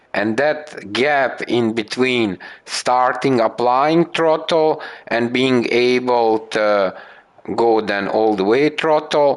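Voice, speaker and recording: A man's medium-pitched voice with ordinary pitch variation, a very slow pace and very even loudness. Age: 50s. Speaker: gaming streamer. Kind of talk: live stream commentary. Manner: casual, hesitant with fillers.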